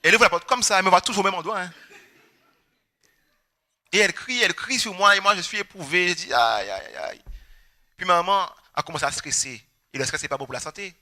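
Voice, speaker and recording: A young Guadeloupean man preaching a personal testimony, animated and storytelling, acting out his family's words. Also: sits high, quick pace. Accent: Guadeloupean French. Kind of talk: testimony sermon.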